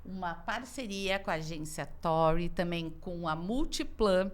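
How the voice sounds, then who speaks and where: A woman from southern Brazil with a gaúcho accent, co-hosting a podcast in a lively way and dropping in short asides. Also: lowish voice, unhurried. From Rio Grande do Sul, southern Brazil. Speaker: podcast co-host. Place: glass-walled studio with a live audience.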